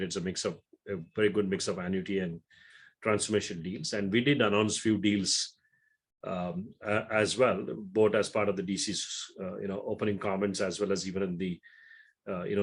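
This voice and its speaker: Husky exec guy on an earnings call, lowish voice, rephrases as he goes. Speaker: company executive answering analysts.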